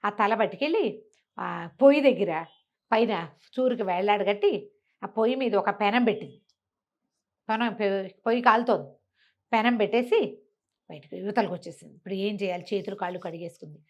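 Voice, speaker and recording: A woman's voice: mid-range voice, brisk, long pauses, muffled recording. A woman telling an oral story in a colloquial, conversational way, putting rhetorical questions to her listener.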